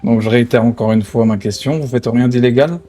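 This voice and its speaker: A man's voice: mid-range voice, a little fast, warm tone. Commanding man in game roleplay, music behind. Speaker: streamer role-playing a gang boss in an online game. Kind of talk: improvised game roleplay dialogue.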